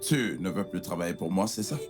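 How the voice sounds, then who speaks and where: An actor playing a concerned employer pressing a maid for answers. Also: male voice, deep voice, expressive, brisk, music in the background. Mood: probing. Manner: questioning, insistent. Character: employer, middle-aged man, concerned and probing. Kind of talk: dubbed film drama.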